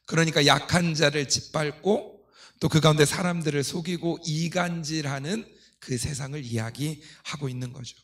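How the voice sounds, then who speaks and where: A middle-aged man delivers a sermon from a church pulpit in a somewhat high voice. He teaches step by step, explaining scripture to his congregation as their pastor. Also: fairly even intonation, moderate pace, fairly bright tone. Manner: didactic, asking rhetorical questions and leading readings.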